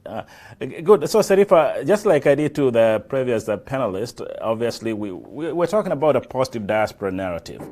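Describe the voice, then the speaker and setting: A man's voice: medium pitch, very animated, fairly quick, darkish tone. A middle-aged man from Africa hosting a live interview show, speaking effusively and often repeating and restarting his phrases. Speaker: talk show host.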